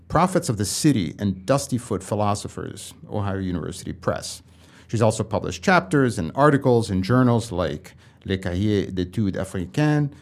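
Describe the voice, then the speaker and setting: A man hosting an academic podcast, reading a formal introduction and asking measured questions. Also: mid-range voice. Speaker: podcast host. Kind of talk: scripted introduction and interview questions.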